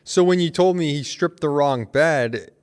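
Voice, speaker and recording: A man's voice: fairly high pitch, measured pace, a little mellow, clear, resonant tone. A man bantering casually, giving his opinions in a direct way.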